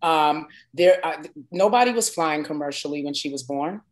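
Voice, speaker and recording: A woman in her forties from New York, a singer chatting as a guest in an interview and telling stories in an expressive, emphatic way. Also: low voice, normal speed. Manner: warm, expressive storyteller with emphatic asides. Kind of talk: casual interview chat.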